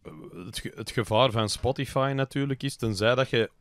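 A man's voice: mid-range voice, steady tone, brisk, a bit bright, no room sound. A man co-hosting a podcast, talking through ideas thoughtfully in casual conversation.

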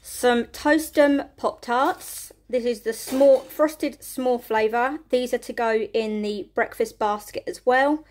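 A woman's voice: fairly high pitch, fairly even intonation, slow, hardly any pauses. A middle-aged woman chatting casually through a family food haul in her kitchen, rambling and counting items aloud. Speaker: family vlogger. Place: home kitchen, indoors.

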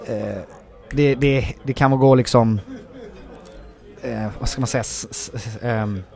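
A man, an actor guest in a casual interview, telling stories from film sets in a rambling, animated way with many filler words. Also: mid-range voice, creaky.

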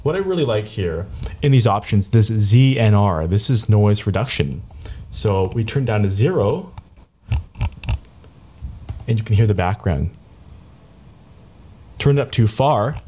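Slightly low-voiced man, casual and playful tutorial host, chatting into a handheld recorder at his home desk. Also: mellow. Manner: chatty, playful, talks while fiddling with gear. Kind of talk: casual tech demo. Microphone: handheld portable recorder.

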